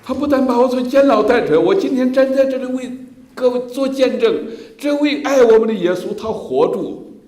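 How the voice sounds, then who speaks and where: Man from China, guest preacher, impassioned testimony, hallelujah shouts, echoey hall. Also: extremely high pitch, expressive, moderate pace. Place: school assembly hall.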